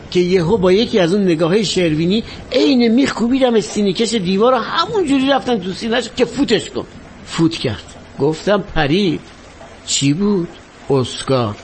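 A man's voice: a little high, slight background noise, lightly acted. An actor playing a vain, half-mad former star who talks grandly and bitterly about his fame. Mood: mocking grandiose. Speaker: actor in a stage or film drama. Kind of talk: dramatic monologue acting.

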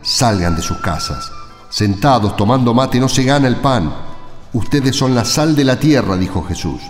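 A man's voice: medium pitch, lively intonation, normal speed, close to an everyday voice. An Argentine man playing an impassioned village priest in a radio drama, emphatic and full of rhetorical questions. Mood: earnest, exhorting. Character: impassioned village priest rallying his parishioners. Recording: echoey hall reverb, music behind.

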